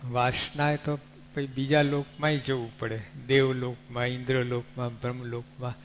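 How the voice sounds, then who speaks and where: Male preacher, measured sermon delivery, faint hum in the background. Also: medium pitch, level tone. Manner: unhurried, teaching with rhetorical questions and animal examples. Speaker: religious speaker. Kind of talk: devotional sermon. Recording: dull lo-fi recording with faint hum.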